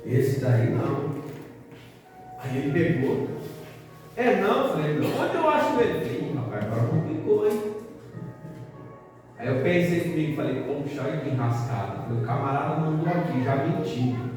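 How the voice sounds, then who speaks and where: A Brazilian man preaching a storytelling sermon as pastor, animated and acting out the dialogue of his story. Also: a little high, moderate pace, long pauses. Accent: Brazilian Portuguese. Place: large church hall. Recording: echoey church hall from far off, music behind.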